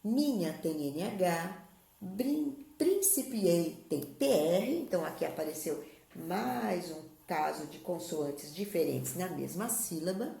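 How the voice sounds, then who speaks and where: Woman, teacher, patient step-by-step explaining, gravelly, echoey room. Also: on the low side, animated, takes it slowly, warm tone. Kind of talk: remote classroom lesson. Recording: echoey room with faint noise.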